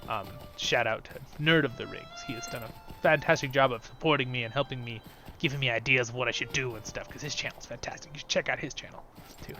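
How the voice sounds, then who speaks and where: Over faint music, a man at medium pitch chats quickly while playing a fantasy game for his YouTube channel. His commentary is casual and upbeat, now and then slipping into quieter asides.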